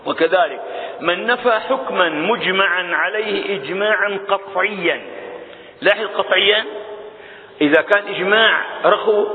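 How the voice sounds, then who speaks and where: A man giving a religious lesson, explaining step by step and asking rhetorical questions. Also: high-pitched. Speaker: Islamic scholar teaching a creed text. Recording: tinny phone-like sound in a reverberant hall.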